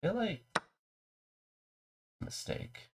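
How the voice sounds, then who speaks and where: A man with a mild cold and a congested voice, casually talking through his chess moves on a live stream. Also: extremely slow. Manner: low-key, talks through his moves.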